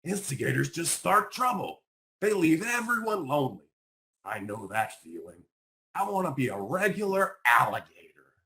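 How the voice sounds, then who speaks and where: A man's voice: fairly high pitch, sing-song, moderate pace, creaky, pushed and bright, pitched above the performer's own voice, full character voice. A man voicing a lonely, spiteful young male alligator in a picture book, with a defiant, grumbling manner. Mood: remorseful.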